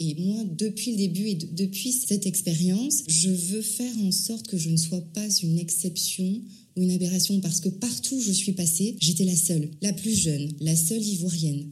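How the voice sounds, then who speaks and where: A woman's somewhat breathy, dark, mellow voice at a moderate pace, with audible room echo. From Ivory Coast. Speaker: private equity investor. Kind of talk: interview.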